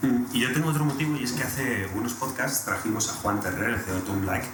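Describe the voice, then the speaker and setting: A man's voice: medium pitch, expressive, fast. A young man with an accent from Spain, chatting casually as a podcast host and interviewer. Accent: Spanish (Spain). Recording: roomy echo, clearly audible background noise.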